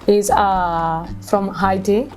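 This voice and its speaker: Woman, Cuban Spanish accent, slow, hesitant, searching for words, music behind. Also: mid-range voice, fairly even intonation. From Cuba. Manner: hesitant, searches for English words, laughs easily. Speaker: guest. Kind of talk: casual interview chat.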